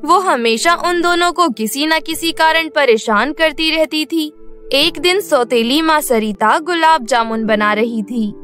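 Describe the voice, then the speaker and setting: Woman narrating a kids cartoon story, very high voice, soft music under. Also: a little slow.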